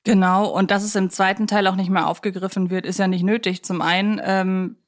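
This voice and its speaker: A woman's voice: medium pitch, level tone, a little fast. A woman co-hosts a podcast, discussing films casually in a chatty, appreciative way. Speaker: podcast co-host.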